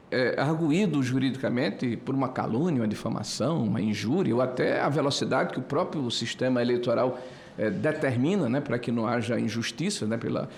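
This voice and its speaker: A man in his sixties giving a committee floor speech, hesitant with many filler pauses, building to emphatic indignation. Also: medium pitch. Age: 60s. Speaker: senator. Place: senate committee room.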